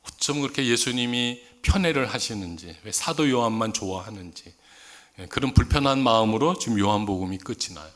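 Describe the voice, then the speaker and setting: A man's voice: on the low side, lively intonation, fairly quick, fairly bright tone. A man preaching a sermon as a visiting missionary in a church, telling a story in a conversational tone. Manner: conversational storytelling, acts out dialogue in quoted voices. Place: church sanctuary.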